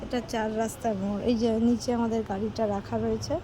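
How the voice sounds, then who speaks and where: A chatty woman vlogging on a handheld phone gives a casual home tour. Her voice sits a little high, with clear background noise under it. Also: level tone, quick pace. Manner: chatty, points things out to viewers. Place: new flat and surroundings in a city, indoors and on a balcony. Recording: noisy phone recording.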